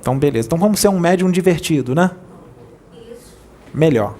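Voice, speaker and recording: A man with a Brazilian Portuguese accent, a spirit medium preaching informally in a playful, jokey way that rushes over his words. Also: fairly high pitch, animated, mellow, a little hiss or hum.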